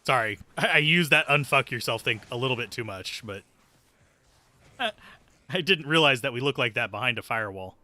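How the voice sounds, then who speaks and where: Bright-voiced man chatting over a game stream. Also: medium pitch, lively intonation, a little fast. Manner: sweary, self-deprecating, sardonic. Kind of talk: casual live gameplay commentary, chatting with viewers.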